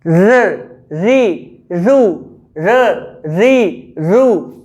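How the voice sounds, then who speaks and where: A young man from India, a speech coach giving a speech therapy lesson and demonstrating sounds by repeating syllables. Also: high-pitched.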